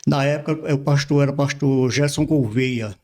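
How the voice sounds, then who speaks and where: A man's voice: mid-range voice, fairly even intonation, moderate pace, darkish tone. An older man from Brazil, a pastor, telling his life story in a casual interview and repeating words as he recalls things. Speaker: pastor, podcast guest.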